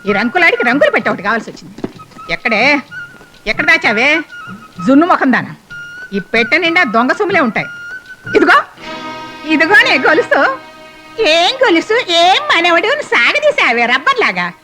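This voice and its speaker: A woman's voice: sits high, big pitch swings, over music. Fiery scolding old grandmother. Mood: furious. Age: older. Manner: scolding, mocking, rapid-fire insults. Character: fiery sharp-tongued old grandmother, bossy and devout. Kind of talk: film comedy acting.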